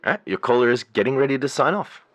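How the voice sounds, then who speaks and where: A man's voice: medium pitch, lively intonation, lightly acted. A man playing a polite, businesslike relay service officer who passes on a caller's words in a matter-of-fact way. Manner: matter-of-fact, courteous, halting while typing. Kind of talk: phone call on a radio drama.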